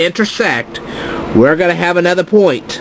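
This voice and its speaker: Background noise is noticeable here. The voice belongs to a man. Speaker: math teacher. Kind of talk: tutorial. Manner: halting, self-correcting.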